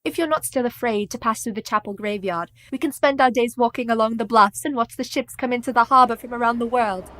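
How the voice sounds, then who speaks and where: A woman plays an earnest, sensible young woman who speaks in a measured, gently wry way. Her voice sits a little high and sounds dry and close. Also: dry recording, natural voice, rough recording. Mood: tender. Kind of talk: stage radio play acting.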